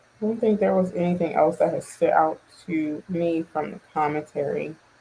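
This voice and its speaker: A fairly low-pitched woman's voice against noticeable background noise. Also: ordinary pitch variation, moderate pace. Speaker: faith vlogger, Bible study leader. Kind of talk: casual Bible study talk. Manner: casual, with fillers.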